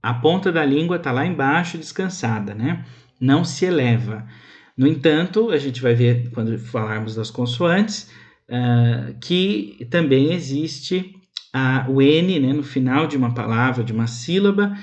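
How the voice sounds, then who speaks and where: Brief: young Brazilian man, university instructor, unhurried lecture, sounds out each word. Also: mid-range voice, animated. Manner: slow, careful, drawn-out pronunciation examples. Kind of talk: online lecture on phonetics.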